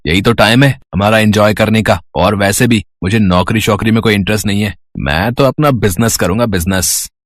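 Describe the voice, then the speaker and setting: A man's voice: lowish voice, no room sound, lightly acted. A man playing a spoiled, arrogant rich young son in a dramatised story, entitled and mocking, dropping in English words. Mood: whiny, demanding. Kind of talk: dramatised Hindi story acting.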